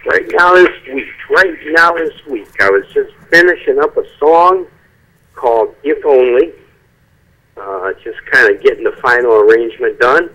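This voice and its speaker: A man's voice: mid-range voice, animated, moderate pace, sharp tone. A man on a speakerphone call, chatting casually as an interview guest, rambling a little and restarting his sentences. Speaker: guest songwriter. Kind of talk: phone-in interview chat. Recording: phone line, breaking up.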